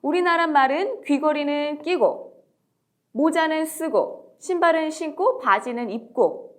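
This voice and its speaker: Woman teacher, higher voice, slow and very lively, drills phrases for parents. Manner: lively, drawn-out modelling of English phrases. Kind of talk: slow, deliberate language lesson.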